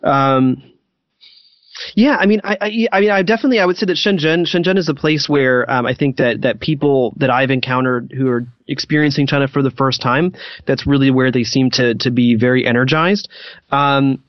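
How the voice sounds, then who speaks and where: A man talks as a guest in a casual interview, feeling his way toward words in a halting manner. His pitch is average, and the sound is close and dry but a little muffled. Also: no room sound. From United States. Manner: hesitant, searching for words. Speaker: podcast guest.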